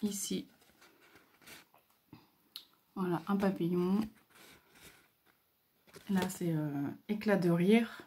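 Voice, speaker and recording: A woman hosting a casual craft video, talking hesitantly with many fillers and pauses as she admires what she shows. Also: on the low side, slight background noise. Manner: admiring, soft-spoken. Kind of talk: casual show-and-tell.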